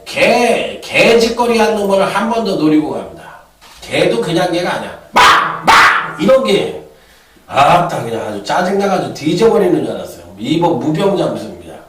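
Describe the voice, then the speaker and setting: A man giving horse racing betting tips in a loud, profane manner, often acting out voices and chants. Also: high voice. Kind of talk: casual betting tip broadcast. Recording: echoey, from far off the mic.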